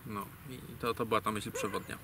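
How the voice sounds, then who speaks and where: This guest speaker on language origins has a lowish voice and steady tone, talking fairly quickly amid crowd noise. His casual explanation drifts and digresses, crowded with fillers and self-corrections, captured from a distant mic with faint ambient sound.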